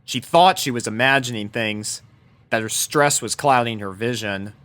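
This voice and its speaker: A man's voice: mid-range voice, moderate pace, fairly bright tone, no room sound. A man reading a scripted story aloud as narrator, in a dramatic storybook manner. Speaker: fan fiction narrator.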